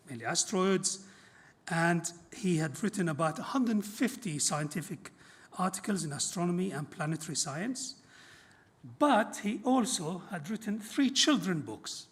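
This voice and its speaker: A man hosts an event and introduces the guest speaker, working through a short biography. His voice is fairly high and a bit husky. He pauses now and then with small fillers as he reads. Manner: reading out a biography with small hesitations.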